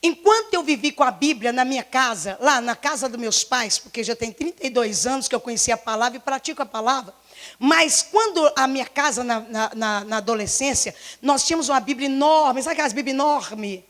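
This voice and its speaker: Woman pastor, Brazilian accent, high voice, slightly hoarse, fervent sermon, rhetorical questions. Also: brisk, fairly bright tone. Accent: Brazilian Portuguese. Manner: impassioned, repetitive, many rhetorical questions. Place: church service.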